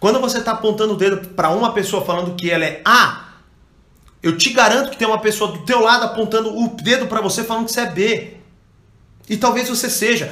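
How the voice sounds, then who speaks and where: Very fast and animated, a man with a Brazilian accent uses a raised, projected voice at a high pitch. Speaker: online self-help coach and livestreamer. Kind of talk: angry, swearing rant about self-improvement, live monologue. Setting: livestream, talking to viewers. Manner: animated, blunt, emphatic; profane, sarcastic, scolding.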